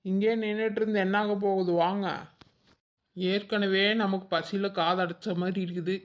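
A man's voice: sits high, flat delivery, moderate pace, muffled recording, close to an everyday voice. A man voicing a fretful, hungry village woman in a cartoon who keeps complaining. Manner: whiny, complaining, hunger-obsessed. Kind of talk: cartoon voice acting.

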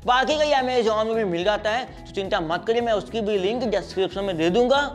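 A man's voice: high-pitched, brisk, soft background music. A young man chatting casually while he reviews and demonstrates a hand-press juicer in a small studio, speaking into a lapel mic. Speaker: product reviewer. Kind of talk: casual product review vlog. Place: small indoor studio set with striped backdrop.

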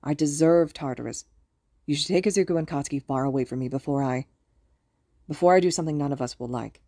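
A woman's voice: low-pitched, fast, warm tone, no echo, clean studio sound. A woman voicing a guilt-ridden, self-loathing older man in an audiobook, subdued and resigned. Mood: grave, resigned.

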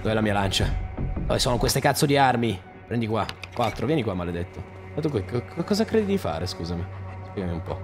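A man commentating his own survival game playthrough, excitable and swearing, shouting at the enemies. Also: fairly low pitch, brisk. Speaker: gaming streamer. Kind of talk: let's play commentary. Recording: music in the background.

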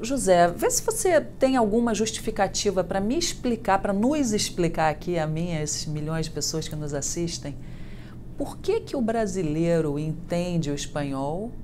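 A middle-aged woman interviewing a guest over a video call, asking long questions and reacting with lively exclamations. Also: lowish voice, normal speed, slight background noise. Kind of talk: TV interview hosting. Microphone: video call webcam.

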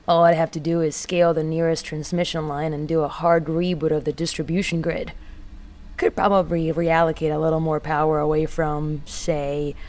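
An actress playing a defiant, weary rebel engineer, speaking with dry sarcasm in an audio drama diary. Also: female voice, sits low, darkish tone. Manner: dry, sarcastic, matter-of-fact.

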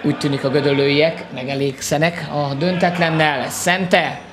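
Excited high-pitched male sports commentator. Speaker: futsal match commentator. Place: indoor sports hall. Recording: clearly noisy sports hall ambience. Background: sports hall noise.

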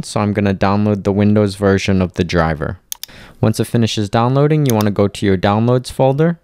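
Low-voiced man narrating a tutorial, crisp. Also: darkish tone, no echo. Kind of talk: step-by-step software tutorial voice-over.

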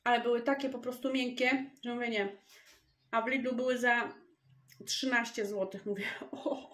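A woman's voice: fairly high pitch, steady tone, normal speed, a bit bright. A woman vlogger chatting casually to her viewers, thinking aloud as she unpacks groceries in a home kitchen.

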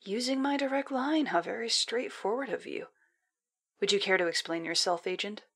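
A woman's voice: mid-range voice, normal speed, a bit bright, breathy edge. A woman playing a cold, condescending villainous spy commander in an audio drama. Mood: cold, imperious. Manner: condescending, taunting, menacing.

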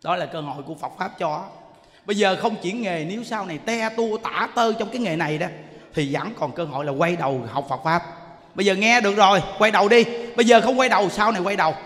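A man giving a lively dharma talk, telling stories and exclaiming as he preaches. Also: high-pitched. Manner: animated, exclaiming, quick shifts between loud and soft. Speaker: monk preacher. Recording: long hall reverb.

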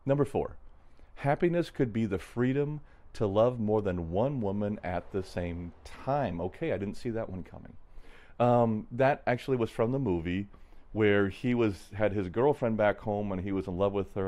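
Low, mellow-voiced man musing aloud. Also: normal speed. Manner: thoughtful, musing, frequent restarts, chuckles. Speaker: podcast host. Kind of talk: reflective solo podcast monologue. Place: traveling in an RV.

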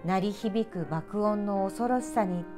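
Middle-aged woman announcer with measured diction. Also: mid-range voice, music in the background. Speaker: TV announcer and presenter reading to children. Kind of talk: children's presenting and picture-book read-aloud. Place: small indoor room with sofa.

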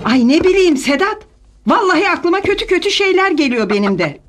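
An actress playing a fretful, talkative middle-aged housewife who exclaims often in a sitcom. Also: female voice, extremely high pitch, sing-song, brisk. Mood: indignant. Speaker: wife of the angry father. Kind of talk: sitcom acting.

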